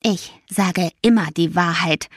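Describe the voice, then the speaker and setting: A woman's voice: lowish voice, slow, breathy edge, no echo, clean studio sound. A woman voicing a stubborn, hot-tempered young girl who answers in short, defiant lines. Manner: defiant, clipped.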